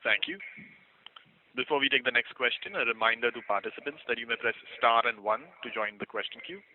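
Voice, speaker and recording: A man's voice: mid-range voice, brisk. A man moderating a conference call in formal, scripted phrases. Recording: tinny narrowband phone line.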